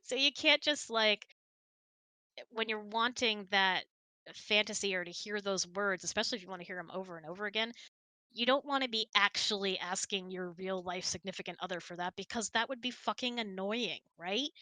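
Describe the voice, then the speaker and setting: A woman's voice: medium pitch, a little fast, bright, forceful tone, no echo. A woman hosting a casual question-and-answer chat in an informal, giggly, chatty way. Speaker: host.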